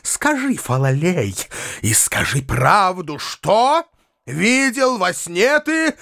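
Male reader voicing a pompous, self-pitying hypocrite in a storybook: high, shrill, melodramatic declaiming with big swings. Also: very animated, slow, gravelly, sharp tone, exaggerated voice. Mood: indignant. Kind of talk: audiobook reading.

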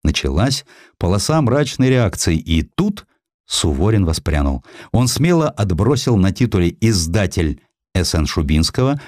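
A man with a low-pitched voice reads scripted historical narration. His storytelling is theatrical and richly varied in intonation. The studio sound is close and very dry. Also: darkish tone, no room sound. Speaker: audiobook narrator. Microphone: close studio microphone.

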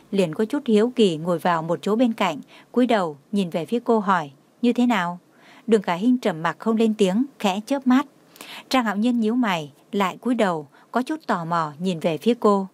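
A woman narrating a romance story in a steady, even audiobook reading. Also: mid-range voice.

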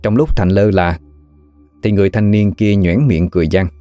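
A man narrating a ghost story in a steady, even storytelling manner. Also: fairly low pitch, normal speed, smooth, dry recording, faint music behind.

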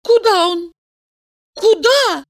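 Woman doing a young blonde woman, high shrill voice, loud breathless pleading cries, wide swoops. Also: animated, very slow, exaggerated voice. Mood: bewildered.

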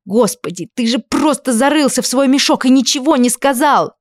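A woman voicing a furious young woman who shouts accusations in a raised, shrill voice in an audiobook. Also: measured pace, husky, no room sound. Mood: furious shouting. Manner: shouting, high and shrill, barking.

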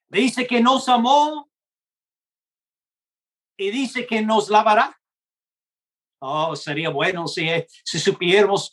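A man preaching a gospel message in Spanish, which is not his first language, in a slow and earnest way, acting out short dialogues. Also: extremely high pitch, a bit bright. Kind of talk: gospel sermon.

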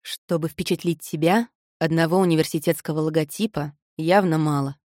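A woman putting on a calm, teasing young man. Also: low voice, fairly quick, no room sound, studio quality, lightly acted. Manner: soft, easygoing, lightly amused. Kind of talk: audiobook character voice.

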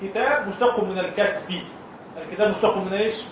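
A man's voice: sits high, steady tone, fast, background noise. A man teaching Islamic law to a class, often asking questions and answering them himself. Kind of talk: classroom lesson. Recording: echoey room, far from the mic, dull and muffled.

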